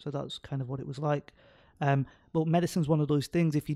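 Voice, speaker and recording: A man's very fast, monotone, flat delivery in a Lancashire accent, fairly high in pitch with a dark, mellow tone, in a very clean recording with a silent background. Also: dry, close sound with no echo. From northern England, Rochdale. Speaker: doctor. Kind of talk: casual chat.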